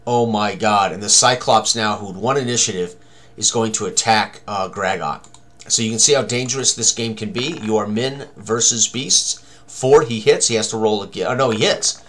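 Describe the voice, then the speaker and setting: A man's voice: lowish voice, moderate pace, fairly bright tone. Older man giving casual game tutorial commentary. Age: older, around 60s. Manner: talks in short fragments, narrating each step. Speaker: tabletop game designer and tutorial host. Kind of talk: casual tutorial commentary while rolling dice. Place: small room indoors at a computer.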